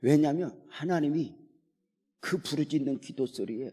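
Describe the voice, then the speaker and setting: A male pastor preaching a sermon in a church, telling a story and at times dropping to a soft near-whisper. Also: a little high, unhurried, breathy edge. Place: church sanctuary. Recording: long hall reverb.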